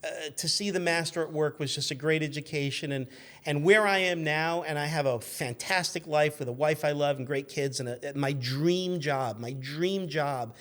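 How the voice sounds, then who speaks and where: A man's voice: a little high, normal speed, a bit bright. A man in his fifties chatting casually as a guest, telling anecdotes and acting out what people said. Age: 50s. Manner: acts out quotes in stories. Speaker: guest, former radio intern.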